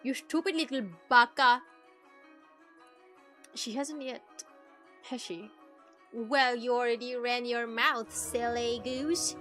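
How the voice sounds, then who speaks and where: A woman streamer reading a visual novel aloud and reacting in an animated, teasing way, swearing freely. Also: fairly high pitch, takes it slowly, pauses often. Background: music.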